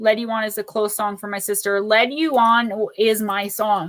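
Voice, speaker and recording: A woman speaks with a New Jersey accent. The recording is very clean, with a silent background. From northern New Jersey (Paterson). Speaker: tarot and oracle card reader. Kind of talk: live-stream card readings and chat. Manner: casual, chatty.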